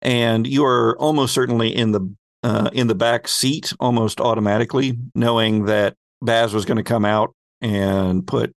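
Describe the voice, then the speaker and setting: A man's voice: medium pitch, fairly even intonation, normal speed, creaky, hardly any pauses, dry recording. A man speaking as game master, narrating a tabletop roleplaying game in a conversational way and directing the players. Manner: conversational, explains by addressing players as their characters.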